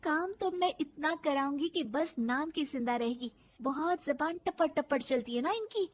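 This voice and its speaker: Woman voicing a young cartoon daughter-in-law, high lively voice, emotional, pleading. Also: unhurried. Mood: gleeful. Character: meek young daughter-in-law, timid but growing bold. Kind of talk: cartoon voice acting.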